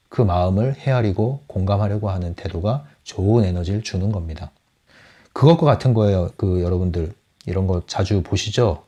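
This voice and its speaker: Man, psychology lecturer, book lecture, rhetorical questions to audience, warm mellow tone. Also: on the low side. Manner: asks the audience rhetorical questions, acts out quotes.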